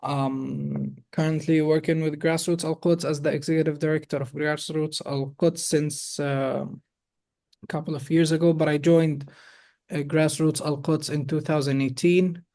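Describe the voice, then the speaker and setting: A young man from Jerusalem, a guest on a podcast, explaining his organization slowly with many pauses and fillers over a video call. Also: on the high side, flat delivery, gravelly, mellow. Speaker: guest, executive director of an organization. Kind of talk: podcast interview.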